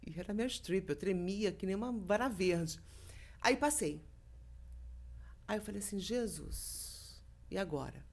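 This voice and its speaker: A woman's voice: medium pitch, normal speed, pauses often, a little hiss or hum. A middle-aged woman from Brazil, a voice actress being interviewed on a podcast, telling stories and acting out quoted dialogue. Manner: lively storytelling, acts out quoted dialogue. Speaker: voice actress, guest.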